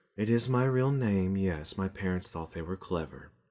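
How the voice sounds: A man uses a put-on character voice with a very deep, low pitch. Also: moderate pace.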